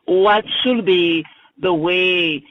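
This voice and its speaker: A woman's voice: fairly low pitch, very slow, slight background noise. Earnest woman calling in. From Cameroon. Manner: earnest, searching, restarts her phrases. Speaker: caller. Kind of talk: recorded call-in question. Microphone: phone. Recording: dull lo-fi phone line.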